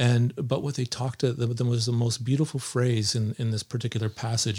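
There's a somewhat breathy quality to this man's voice, and he has a Canadian accent. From Vancouver Island, British Columbia, Canada. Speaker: lawyer and former First Nations chief. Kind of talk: casual interview. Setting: video call.

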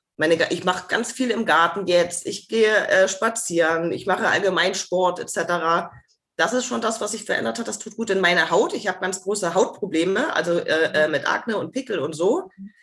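Ordinary pitch variation runs through what is an ordinary speaking voice. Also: woman, medium pitch for a woman, moderate pace. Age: 40s. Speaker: former smoker, coaching client. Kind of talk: interview.

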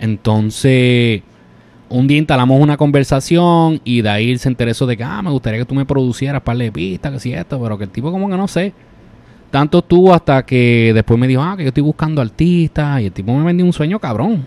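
Delivered at a fairly quick pace with lively intonation, the speech has a dry, close sound with no echo. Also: man, medium pitch for a man. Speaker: podcast host. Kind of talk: casual chat; show outro. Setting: live-streamed studio recording. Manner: animated.

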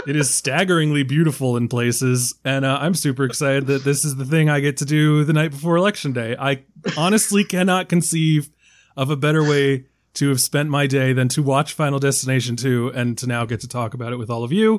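With a plain, everyday voice, a man at a fairly high pitch speaks at a fairly quick pace with ordinary pitch variation in a very clean recording with a silent background. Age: 30s. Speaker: film podcast host. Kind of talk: casual chat.

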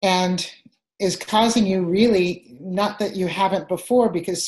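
With a normal speaking voice, a woman talks at a moderate pace in a medium pitch with fairly even intonation against a quiet background. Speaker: podcast co-host. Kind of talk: interview.

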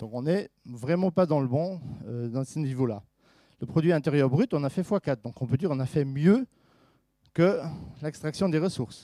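A dark, mellow voice with lively intonation and long, frequent pauses comes through in a dry, close sound with no echo. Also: man, fairly high pitch for a man, moderate pace, very clean recording, silent background. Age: 50s. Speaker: conference speaker. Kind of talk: lecture.

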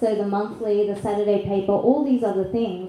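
A woman with an Australian accent at a moderate pace, over noticeable background noise. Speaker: journalist and activist. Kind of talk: panel discussion. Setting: stage with audience.

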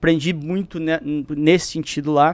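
A man's unremarkable speaking voice with ordinary pitch variation. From southern Brazil, Porto Alegre. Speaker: finance certification teacher. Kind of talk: casual interview.

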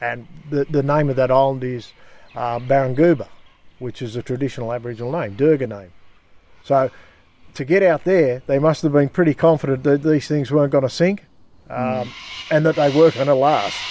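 With an Australian accent, a man talks at a fairly quick pace but with long, frequent pauses. His voice has a dark, mellow tone and a fairly high pitch with ordinary pitch variation. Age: 40s. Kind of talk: casual interview. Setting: outdoors by a river.

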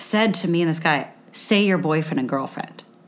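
A woman with an American accent speaks in a plain, everyday voice at a fairly low pitch, with ordinary pitch variation. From Northern California. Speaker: improv comedian and actress. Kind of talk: casual chat. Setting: video call.

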